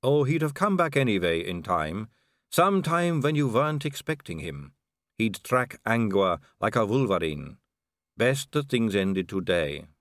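A man voicing a calm, elegant, sly female vampire noblewoman in an audiobook, cool and drawling. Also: lowish voice, measured pace, no room sound, studio quality. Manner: cool, drawling, amused and poised. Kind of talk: audiobook character reading.

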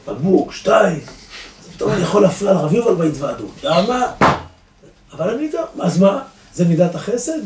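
Man, rabbi, lively Torah lesson, rhetorical questions, distant mic, faint room noise. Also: sits high, echoey room. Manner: lively, rhetorical questions, swings loud and soft. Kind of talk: Torah lesson to a live audience.

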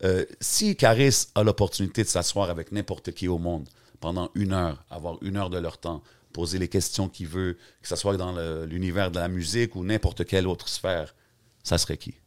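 A man's voice: deep voice, normal speed. A man with a Montreal French accent hosting a podcast in casual chat, mixing English slang into his French. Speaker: podcast host.

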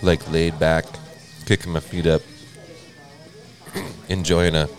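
Man, very low voice, playful casual food chat, faint music behind. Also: flat delivery, slow. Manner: joking, playful. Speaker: co-host of a food review show. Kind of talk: casual chat while eating.

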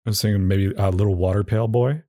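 A man with a fairly low voice hosts a casual solo podcast in a close, dry recording. He rambles in halting phrases, often doubling back on his words. His humor is self-deprecating and a little goofy. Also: steady tone, warm tone, dry recording. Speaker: podcast host.

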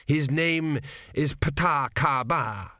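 A man playing a slow, solemn old high priest. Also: bright, forceful tone, dry recording, clean studio sound, heavily acted. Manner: slow, stately and deliberate. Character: aged high priest, solemn, measured and evasive.

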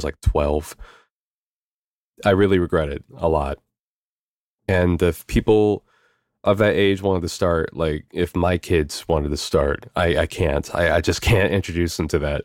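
A young man with a very deep, low voice talks through interview questions in an easygoing, meandering way, full of ums and the odd swear. He's from New York, and the recording is dry and close with no room sound. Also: darkish tone, dry recording. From New York, USA. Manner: easygoing, rambling, frequent fillers and swearing. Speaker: voice actor interviewee. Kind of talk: casual interview answers.

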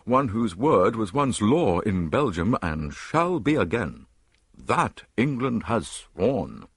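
A man voicing a troubled elderly English statesman in an audiobook, measured and formal. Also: fairly low pitch, sing-song, breathy edge, dry recording, studio quality, voice pushed up, full character voice. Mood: grave.

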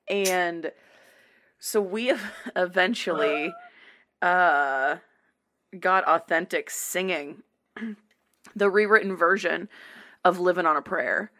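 A woman hosts a casual podcast chat and rambles through a story, laughing often. She talks at an unhurried pace with a slightly low voice. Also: a bit bright. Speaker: podcast host.

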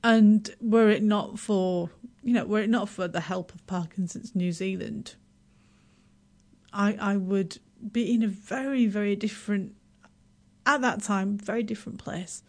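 A middle-aged woman from Yorkshire with a Yorkshire accent, chatting as a radio guest, self-deprecating and laughing often, with halting restarts. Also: mid-range voice, steady tone. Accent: Yorkshire English. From Yorkshire, England. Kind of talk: casual radio interview.

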